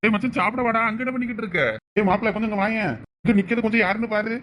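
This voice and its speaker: A man's voice: high voice, steady tone, rapid-fire, fairly bright tone, slight background noise. A man playing a senior student, keeping up a nosy running commentary on what he sees. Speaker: senior student in a comedy skit.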